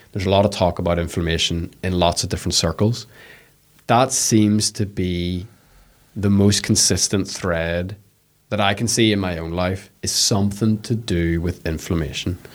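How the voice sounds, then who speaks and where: A man's very deep, low voice in a Northern Irish accent, with fairly even intonation, in a very clean recording with a silent background. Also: moderate pace. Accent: Northern Irish (Belfast). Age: 20s. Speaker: podcast host appearing as guest. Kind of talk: casual interview. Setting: his own podcast studio.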